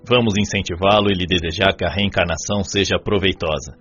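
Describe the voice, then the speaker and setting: A woman's voice: very deep voice, steady tone, fairly quick, fairly bright tone, slightly rough, dull audio, faint music behind, pitched below the performer's own voice, exaggerated voice. A woman voicing a friendly adult male student in a Portuguese-language radio drama. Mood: warm. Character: kindly adult male student inviting his teacher.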